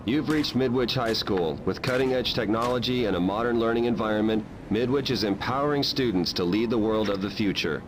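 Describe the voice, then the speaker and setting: A man's voice: fairly low pitch, a little fast, natural voice. Noisy recorded announcement, actor as polished male school announcer. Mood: formal, promotional. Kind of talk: scripted recorded phone announcement. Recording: noisy video game audio, phone message.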